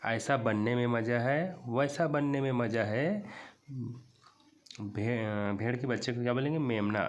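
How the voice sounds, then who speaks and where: A man teaching a school English lesson, explaining a poem line by line and stretching out the English words as he reads them. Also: medium pitch. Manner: slow and patient, reads English lines very slowly, ends points with a rising "theek hai".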